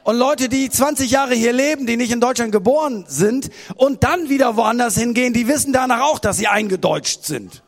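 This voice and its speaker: A pastor from Germany preaching a sermon, retelling a story with lively acted-out voices. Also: male voice, extremely high pitch, normal speed, few pauses. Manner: animated storytelling, acting out the disciples' voices. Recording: hall with long reverb.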